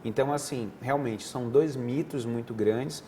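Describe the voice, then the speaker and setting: A male surgeon from Brazil, explaining as a guest at a TV studio desk. His voice sits at a middle pitch for a man. He talks in a patient, teacherly way and often restarts mid-phrase. A faint noise can be heard behind him. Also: moderate pace, warm tone. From Northeastern Brazil. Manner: didactic, conversational, frequent restarts. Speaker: head and neck surgeon, guest. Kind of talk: explanatory interview answers.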